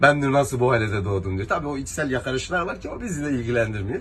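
This man speaks with an Adana accent. His pace is fairly quick. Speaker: joke teller. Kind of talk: storytelling a joke to a friend. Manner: casual, colloquial.

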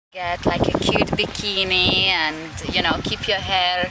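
Over music in the background, a woman with a Lithuanian accent speaks at a fairly slow pace in a fairly low pitch, with fairly even intonation and a dry sound with no echo. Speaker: reality TV personality. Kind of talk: interview answer. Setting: outdoors, by a pool. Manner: relaxed, casual. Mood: relaxed, cheerful. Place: garden. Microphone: phone near.

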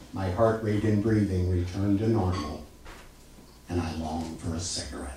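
A man with a very deep, low voice speaks at a moderate pace with ordinary pitch variation, over light background noise and strong room echo. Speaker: poet. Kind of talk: poetry reading, performed with wry, biting satire turning to tender, somber lines. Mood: somber, reflective. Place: stage.

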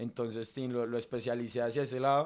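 His pitch medium, a man speaks with fairly even intonation. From Bogotá, Colombia. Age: young. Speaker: rapper; podcast guest. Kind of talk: casual chat. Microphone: studio mic.

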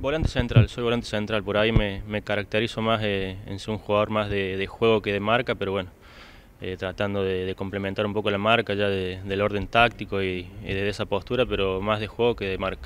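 At a fairly quick pace, a man speaks in a fairly low, monotone voice with flat intonation and a dry sound with no echo. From Argentina, Córdoba city; Córdoba, Argentina. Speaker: footballer. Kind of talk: interview; interview answer. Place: hall. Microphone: handheld.

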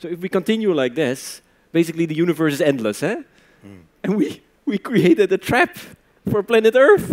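A man with a Dutch accent and a high voice talks at a fairly quick pace, with long, frequent pauses and a quiet background. His pitch swings very widely and his loudness swings a lot. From Netherlands. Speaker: designer; speaker. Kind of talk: panel discussion. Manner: halting. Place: stage.

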